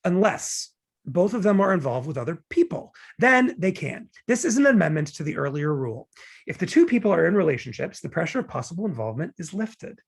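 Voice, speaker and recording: Romantic comedy lead, man acting: glib, argumentative young man, husky fry-laden voice, very lively delivery. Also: a little high, brisk, exaggerated voice. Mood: backpedaling, insistent. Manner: glib, opinionated, rambling justifications. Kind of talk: table read of romantic comedy script.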